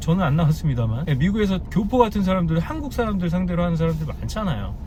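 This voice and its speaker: The speaker talks very fast with an animated tone. The recording has audible room echo and noticeable background noise. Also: man. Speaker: YouTuber. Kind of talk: casual vlog monologue.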